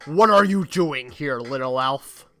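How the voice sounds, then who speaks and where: Game casting: a man putting on a loud, slow, bossy robot Santa with a bright edge. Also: mid-range voice, expressive. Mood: gruff. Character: gruff domineering male robot Santa.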